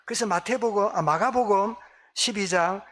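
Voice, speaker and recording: Moderately paced and a bit bright, the high-pitched voice belongs to a male pastor with a Gyeongsang accent. He gives a Sunday sermon in the sanctuary, frequently questioning listeners and repeating what they say.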